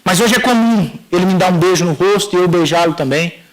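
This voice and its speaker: A man's voice: sits high, fairly quick, rough recording. A middle-aged Brazilian man preaching a sermon, telling a personal story and acting out the dialogue as he addresses the congregation. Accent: Brazilian Portuguese. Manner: storytelling, acts out dialogue, addresses listeners as brothers. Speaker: pastor. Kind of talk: sermon testimony.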